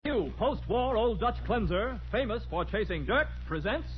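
A man's voice: high voice, lively intonation, moderate pace, very noisy. An American man announcing and narrating a 1940s radio show in a formal, dramatic style. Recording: muffled 1940s radio recording, loud music. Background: loud music.

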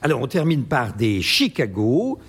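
Brief: male host, gravelly voice, halting and full of fillers, relaxed chat. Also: mid-range voice. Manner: hesitant, many fillers. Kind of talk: casual chat about word games. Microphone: GoPro camera.

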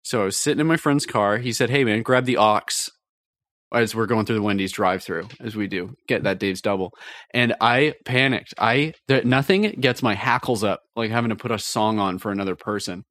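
A man co-hosting a comedy podcast, telling a story in a dry, wry manner that trails off quietly. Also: on the low side, a little fast, dry recording. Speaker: podcast co-host.

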